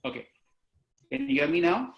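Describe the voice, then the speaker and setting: A man's voice: on the high side, very animated, moderate pace, roomy sound, muffled recording. A man, an obstetrician speaking in an online webinar, whose voice breaks up as the call drops and who keeps checking if he can be heard. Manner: repeats himself while checking if he can be heard. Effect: voice breaking up on a dropping video call. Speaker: obstetrician giving a webinar talk. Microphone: computer mic on a video call.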